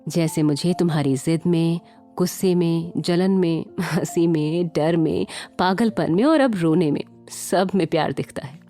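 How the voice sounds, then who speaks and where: A calm, protective young man who reassures softly, as a woman narrator voices him. The voice stays close to the storyteller's own. Light music plays underneath. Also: on the low side, unhurried, close to an everyday voice. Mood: gentle. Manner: calm and gentle, at times stern.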